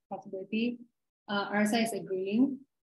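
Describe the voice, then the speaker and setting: A somewhat breathy woman with a fairly high pitch speaks at a fairly slow pace with monotone, flat intonation, over light background noise and audible room echo. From Malaysia. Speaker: full-time trader and webinar presenter; trader hosting online Q&A. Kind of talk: live trading webinar tutorial. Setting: video call webinar. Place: home room. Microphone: webcam.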